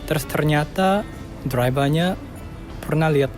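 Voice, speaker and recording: A man's voice: fairly high pitch, a little slow. Japanese man chatting in foreigner's Indonesian. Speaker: interviewee, content creator. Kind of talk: casual anecdotes in Indonesian as a foreign speaker. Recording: loud music behind.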